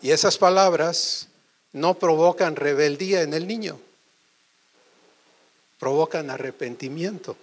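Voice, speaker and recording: A man preaching a sermon, asking the congregation quick questions. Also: a little high. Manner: animated, quizzes the audience with quick questions.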